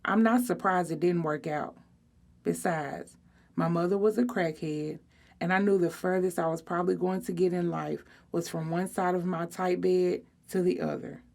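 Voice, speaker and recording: A woman, a librarian reading aloud, giving expressive first-person storybook narration. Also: on the low side, normal speed, vocal fry.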